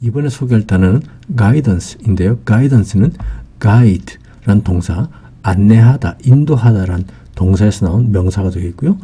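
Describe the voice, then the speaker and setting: A man's voice: fairly low pitch, lively intonation, measured pace, dark tone, husky. A man giving an English vocabulary lesson, explaining patiently with many fillers.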